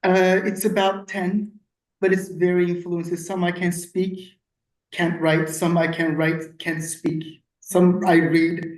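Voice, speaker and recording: A native Turkish speaker from Turkey chats casually at a community meeting, laughing in asides and using plenty of fillers. Her voice is on the low side, slightly mellow and level, and she speaks slowly; the echoey council meeting room is recorded from far off.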